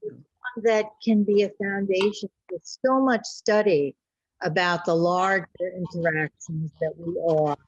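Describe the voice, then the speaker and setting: Woman host, lowish pitch, informal introduction style, dry and slightly dull lo-fi sound. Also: fairly even intonation, measured pace, no echo. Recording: close dry but dull lo-fi audio.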